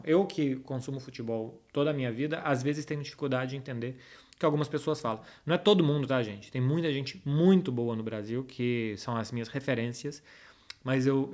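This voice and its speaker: A man's voice: mid-range voice, a little mellow. A man with a Brazilian Portuguese accent talking informally and directly to his audience as the host of a football chat. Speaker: host answering viewers' football questions. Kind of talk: casual chat to followers, football analysis.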